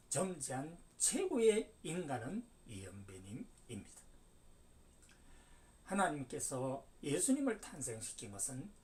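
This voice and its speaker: A man's voice: medium pitch, darkish tone. A man in his seventies giving an emphatic religious lecture, declaiming with sudden rises and falls. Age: 70s. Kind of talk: preaching lecture. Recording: distant mic.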